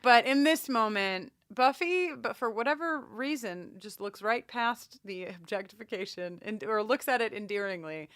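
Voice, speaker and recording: A woman co-hosting a podcast, chatting casually and emphatically as she recaps a TV episode, with animated mock exasperation. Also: a little high, normal speed, few pauses, no room sound, clean studio sound. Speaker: podcast co-host.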